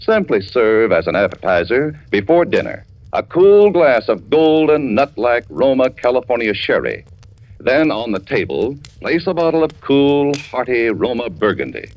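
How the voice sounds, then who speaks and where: A man reading a 1940s radio commercial with a smooth, persuasive delivery. His intonation rises and falls with great animation as he sells. The recording sounds dull and muffled like an old broadcast. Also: medium pitch, big pitch swings, normal speed. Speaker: commercial announcer.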